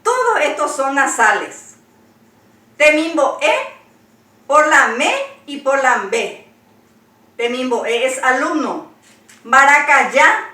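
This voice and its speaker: Slow, bright-voiced woman teaching a language lesson. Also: high-pitched, echoey room. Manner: patient, spells words out letter by letter.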